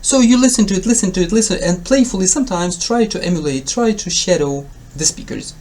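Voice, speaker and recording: A man's voice: high voice, lively intonation, brisk, darkish tone. A man from Ukraine with a Ukrainian accent, an English test tutor talking casually to his viewers, hesitant with many fillers and self-corrections but encouraging. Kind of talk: casual spoken tutorial to camera.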